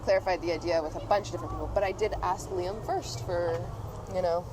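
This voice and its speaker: A woman's voice: fairly low pitch, fairly even intonation, fast. A young American woman chatting casually as a podcast host, recorded outdoors. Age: young adult. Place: outdoors in public at a busy drive coffee stand. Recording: noisy outdoor urban drive-through ambience. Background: outdoor ambience and vehicle noise.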